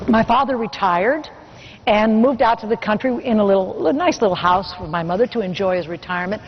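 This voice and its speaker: A woman's voice: fairly high pitch, highs cut off, a little hiss or hum. A woman giving a motivational keynote speech, telling earnest personal stories and asking the audience rhetorical questions. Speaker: motivational speaker.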